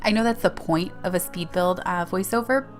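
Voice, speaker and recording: A woman talks through a casual voiceover for a building game, recorded at home after the fact. She rambles and loops back to fix her own words. Her voice sits a little low, with soft music faintly underneath. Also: brisk. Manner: rambling, chatty, with frequent self-corrections and small laughs. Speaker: Sims YouTuber narrating a speed build.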